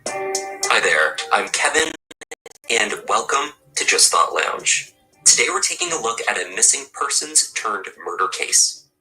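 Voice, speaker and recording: A man narrating a true crime video in a measured, scripted storytelling delivery. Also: mid-range voice, sing-song, bright, forceful tone, faint music behind, poor audio.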